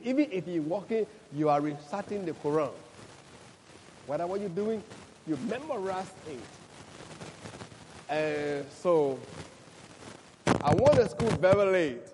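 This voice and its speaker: A man from Liberia with a Liberian accent, a pastor praying and giving his testimony, speaking slowly and deliberately. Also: high-pitched, expressive, darkish tone, slight background noise. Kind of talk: prayer and testimony sermon. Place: church service. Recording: echoey church hall.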